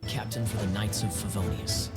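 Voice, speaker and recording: An actor playing a suave, teasing knight captain in a video game trailer. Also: male voice, on the low side, steady tone, moderate pace, close to an everyday voice. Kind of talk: scripted game character trailer. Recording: loud music over trailer playback.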